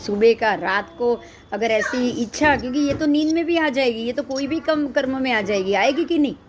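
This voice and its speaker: A middle-aged woman teaching a scripture lesson, explaining slowly and often quizzing her listeners. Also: high-pitched, slight background noise. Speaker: religious teacher.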